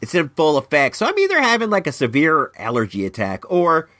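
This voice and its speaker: A man's voice: a little high, brisk, no room sound, clean studio sound. A man hosting his own podcast in casual rambling chat, his voice stuffed up from allergies. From Northern California. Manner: rambling, lots of restarts, animated ups and downs. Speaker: podcast host.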